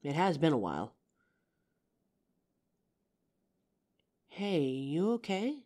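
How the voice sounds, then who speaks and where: A woman playing a caring, protective bodyguard in an intimate roleplay audio drama, with a gentle, teasing manner. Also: deep voice, big pitch swings, normal speed. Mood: gentle concern. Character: caring, flirtatious female bodyguard, protective and loyal.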